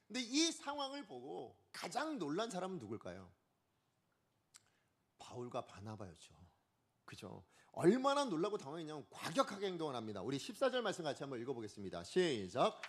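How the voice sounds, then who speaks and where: A man's voice: on the high side, fairly quick. A man preaching a Sunday morning sermon as pastor, asking the congregation questions and acting out quotes. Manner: lively, asks the congregation questions and acts out quotes. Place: church sanctuary.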